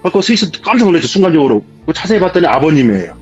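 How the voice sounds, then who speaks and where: A man with a husky voice, telling a true ghost story in a vivid, dramatic way as a guest in casual spoken storytelling. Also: on the high side, big pitch swings, rapid-fire. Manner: vivid, dramatic retelling of events. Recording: dull lo-fi sound with faint music.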